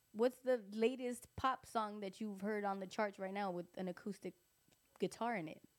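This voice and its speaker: In an ordinary speaking voice, a woman with an American accent talks at a moderate pace with medium pitch, fairly even intonation and big swings in loudness. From US-Mexico border. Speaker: podcast co-host. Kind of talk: casual chat. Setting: studio, livestreamed on video.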